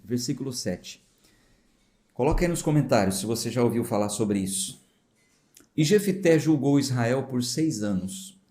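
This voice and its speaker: A man's voice: mid-range voice, expressive, normal speed, warm tone. A man from São Paulo with a São Paulo accent, a pastor reading the Bible aloud and explaining it in a conversational way with informal asides to his viewers. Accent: São Paulo Portuguese. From São Paulo, Brazil.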